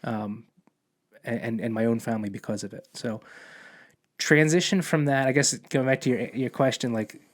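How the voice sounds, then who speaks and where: A man's voice: medium pitch, steady tone, moderate pace. A man, a police officer and podcast guest, telling a long personal story in casual conversation, rambling with many restarts and acting out quoted dialogue.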